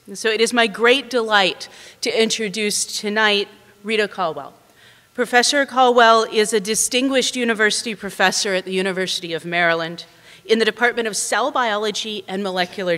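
A woman's voice: mid-range voice, a bit bright. A young woman hosting a lecture series, giving an earnest introduction at a podium and sometimes losing her words. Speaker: series organizer and host. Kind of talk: introduction speech. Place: large lecture room with audience. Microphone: podium mic. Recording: long hall reverb.

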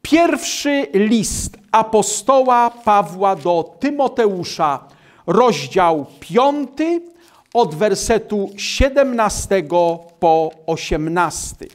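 An older man preaching at a lectern, slowly and deliberately reading and explaining Bible passages. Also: sits high, expressive. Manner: slow, deliberate delivery reading scripture aloud. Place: studio with virtual backdrop, indoors.

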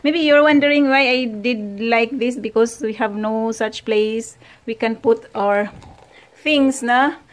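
A woman with a Filipino accent cooking at home for her husband in a casual vlog, talking in halting English mixed with German and Filipino words. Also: on the high side. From Philippines. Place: home kitchen.

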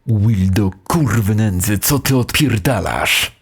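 A man voicing a defiant, foul-mouthed schoolteacher under suspicion in an audio horror story, gruff and agitated. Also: lowish voice, animated, takes it slowly, slight background noise. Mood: angry, defiant.

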